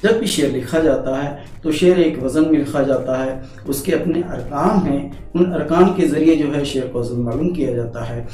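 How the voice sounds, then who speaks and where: Man, patient teacher, repeats key points, slightly high voice, roomy echo, faint music behind. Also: moderate pace, mellow. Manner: patient, repeats each point to drive it home. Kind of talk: explanatory lesson on poetic meter. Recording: echoey room, distant mic, faint music.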